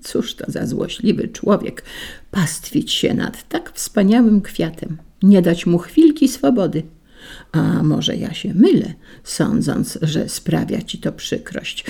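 A woman's voice: lowish voice, sing-song, slow, gravelly, mellow, husky, full character voice. A woman voicing a spiteful, boastful male wind in a storybook tale, sly and taunting. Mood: mocking. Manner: sly and taunting, rising to bluster.

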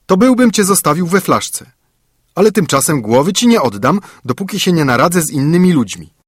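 A man doing an eager, husky young student. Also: fairly high pitch, very animated, a little fast, no room sound, clean studio sound, pitched above the performer's own voice. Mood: defiant. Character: clever, calm young male student. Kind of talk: storybook reading.

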